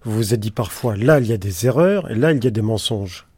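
A male radio host moderating a debate, posing long, measured questions to his guests. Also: fairly low pitch, animated, mellow, breathy edge, dry recording.

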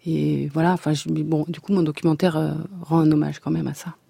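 A woman's voice: deep voice, flat delivery, brisk, vocal fry, warm tone, slight background noise. A woman actress speaking as a guest in a radio studio interview, hesitant, with many fillers and restarts.

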